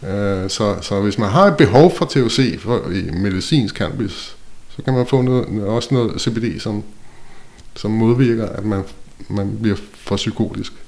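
Very slowly, a man speaks at a fairly low pitch. His pitch varies in an ordinary way. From Denmark, Gentofte (Copenhagen area). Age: 50s. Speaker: company director. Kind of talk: personal testimony in interview.

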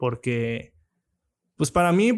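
On a very clean recording with a silent background, a man speaks at a very slow pace with a Mexican accent. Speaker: content creator and producer. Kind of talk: casual interview.

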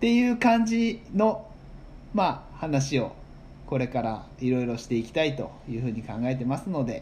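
Somewhat breathy and fairly high in pitch, a man talks at a moderate pace with very wide pitch swings. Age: 30s. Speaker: podcast host, freelance work-style consultant and househusband. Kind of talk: casual chat.

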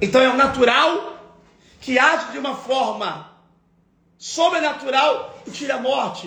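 With an extremely high pitch, a man uses a raised, projected voice and an animated tone, moving at a fairly slow pace with ordinary pitch variation and long, frequent pauses. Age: 30s. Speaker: pastor. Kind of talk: sermon. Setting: live stream on social media.

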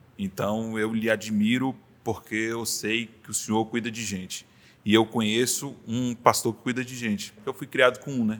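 A man's medium-pitched voice at a moderate pace, flat and monotone in intonation, with big swings in loudness. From Brazil, Brasília (Ceilândia). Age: 20s. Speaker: aspiring politician and law student. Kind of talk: podcast interview.

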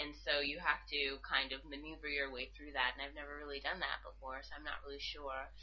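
A woman with a New York accent, fairly quick and with hardly any pauses. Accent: New York American. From US Northeast, Long Island, New York. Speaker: master's student. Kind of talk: casual interview.

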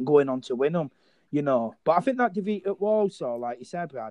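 In a plain, everyday voice, a man speaks at a fairly quick pace with ordinary pitch variation. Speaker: podcast co-host, football fan. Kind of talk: casual chat.

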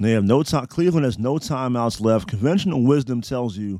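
Over a quiet background, a man with a dark, mellow tone and medium pitch talks at a fairly quick pace with lively intonation. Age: 30s. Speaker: sports podcast host. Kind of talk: solo sports commentary podcast. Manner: animated.

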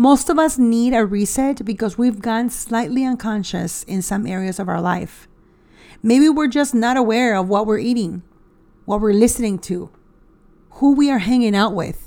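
A woman's fairly high voice, dark and mellow in tone, with ordinary pitch variation at a moderate pace on a very clean recording with a silent background. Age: 50s. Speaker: life coach podcast host. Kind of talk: motivational monologue.

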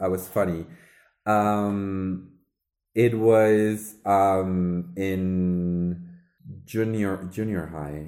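A man's fairly low voice. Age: 30s. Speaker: stand-up comedian and podcast co-host. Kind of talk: casual comedic banter. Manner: animated, joking.

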